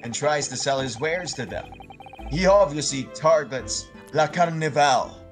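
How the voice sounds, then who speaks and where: A man's voice: a little high, a little slow. Jokey man commenting on a game. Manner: jokey, laughing. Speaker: co-host. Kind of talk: let's-play commentary. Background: game music.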